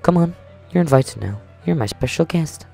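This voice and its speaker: Man doing a little girl, high voice, eager, sweet, childlike, visual novel character, music behind. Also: lively intonation, normal speed, creaky, warm tone.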